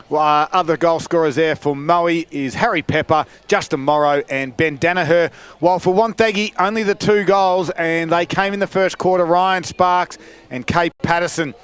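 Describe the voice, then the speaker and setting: Smooth-voiced Australian footy commentator. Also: male voice, fairly high pitch, a bit bright. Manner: easygoing, jokes with co-hosts. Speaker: play-by-play commentator. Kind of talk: halftime sports commentary with ad reads. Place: outdoor football ground.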